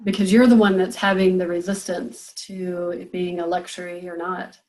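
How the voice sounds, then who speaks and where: A woman's voice: lowish voice, level tone, normal speed, a little mellow, rough recording. A woman business coach leading a group coaching call, encouraging and thinking aloud with frequent fillers.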